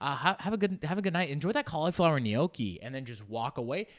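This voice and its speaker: A man with a Californian accent speaks in a fairly high pitch with very wide pitch swings. The recording is very clean, with a silent background. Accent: Californian American English. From Los Angeles, US. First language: Spanish. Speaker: comedian podcast host. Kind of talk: casual solo monologue.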